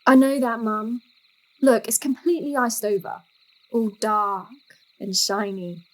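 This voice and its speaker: Woman acting a teenage girl, high-pitched, inquisitive, plain-spoken, impatient, audio drama. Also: fairly even intonation, unhurried, natural voice, low-quality recording. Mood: restless. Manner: questioning, impatient.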